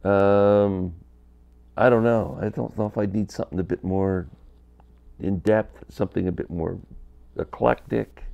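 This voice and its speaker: A man's voice: on the low side, fairly even intonation, a little slow, creaky, dull audio. A man in his fifties with a stuffy cold, chatting casually to camera from his basement about records. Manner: chatty, candid, gestures a lot with hands. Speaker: vinyl collector vlogger. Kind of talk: casual rambling vlog. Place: basement room, indoors, small.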